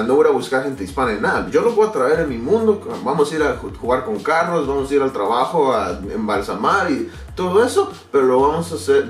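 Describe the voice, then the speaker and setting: A lively man in his thirties talks straight to camera at home, gesturing as he goes and often stopping to hunt for the right word in a language that is not his first. His voice sits at an ordinary pitch and bounces around an echoey room. He is heard a little off-mic, with faint music underneath. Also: recorded from a distance. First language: English. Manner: animated, gestures a lot, searches for words and restarts. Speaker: vlogger. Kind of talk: casual vlog to camera. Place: bedroom or home office, indoors.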